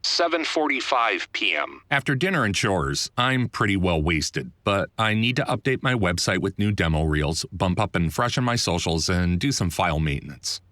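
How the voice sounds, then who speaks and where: Animated low-voiced man, wry audiobook narration. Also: moderate pace, few pauses, dry recording, clean studio sound. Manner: wry, self-deprecating, conversational. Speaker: audiobook narrator, author reading own book. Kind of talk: first-person scripted narration.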